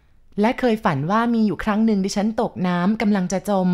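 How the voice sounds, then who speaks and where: A woman's voice: medium pitch, fairly even intonation, brisk, darkish tone, voice pushed up, lightly acted. A woman reading a novel aloud, voicing a shy and devoted teenage girl who speaks politely and hesitantly. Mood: earnest.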